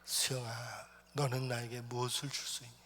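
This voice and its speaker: A man voicing God as a patient, searching caller, speaking slowly and in a hushed tone. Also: medium pitch, slight background noise, natural voice. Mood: tender. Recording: long church hall reverb.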